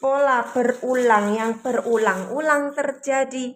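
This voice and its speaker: A woman's voice: high-pitched, unhurried, a little hiss or hum. Chatty woman giving a spiritual talk. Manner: repetitive, chatty, often repeats phrases; reads viewer comments aloud. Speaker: spiritual live-stream host. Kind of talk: casual spiritual talk to viewers.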